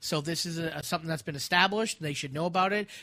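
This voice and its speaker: A man speaks at a high pitch in a bright, sharp tone. His pitch varies in an ordinary way. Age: 40s. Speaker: comedy podcast co-host. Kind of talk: casual comedic chat.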